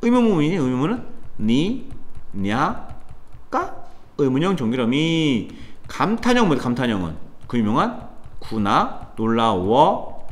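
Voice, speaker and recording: A man's voice: medium pitch, measured pace. A man teaching a grammar lesson to students in a casual, chatty way, with asides and exclamations. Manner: lively, chatty teacher addressing students, sudden mutters and exclamations. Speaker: Korean language tutor. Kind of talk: classroom grammar lecture. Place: cram school classroom.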